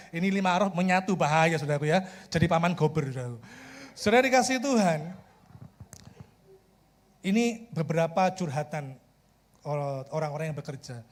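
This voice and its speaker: A middle-aged man with a Javanese accent preaching a sermon as a pastor, lively and humorous, acting out the people he quotes. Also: high voice.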